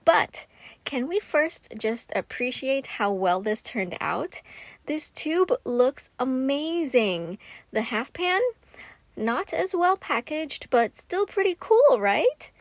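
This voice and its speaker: A woman's voice: high-pitched, sing-song, takes it slowly, dry recording. A woman from Thailand, narrating a voiceover for her art channel in a chatty, upbeat way, with a bit of self-deprecating humor. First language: Thai. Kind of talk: voiceover narration of a craft video.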